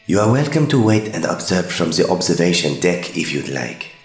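Creepy mad scientist, super polite, swooping low voice, music behind. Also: male voice, sing-song, moderate pace, echoey room. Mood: politely menacing. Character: sinister, overly polite deranged male scientist.

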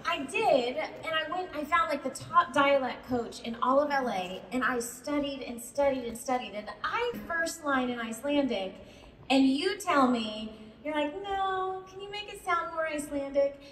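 A woman with a high, bright voice telling an animated story on a convention panel. She is heard from far off in an echoing hall. Faint noise runs under her words. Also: normal speed. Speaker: voice actress panelist. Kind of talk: anecdotes on a stage panel. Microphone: handheld mic, filmed from the audience over the PA.

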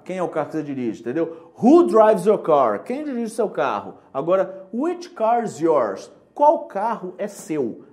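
A man with a Brazilian Portuguese accent teaching English for an exam in a casual, joking way. He reads English examples slowly and translates them. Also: sits high, darkish tone. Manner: casual, joking, keeps checking "entendeu?". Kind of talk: online lesson.

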